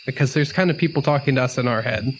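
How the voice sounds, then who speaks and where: A man's voice: medium pitch, fast talker, slight background noise. A man playing a tabletop role-playing game, improvising casually in a tentative, rambling way.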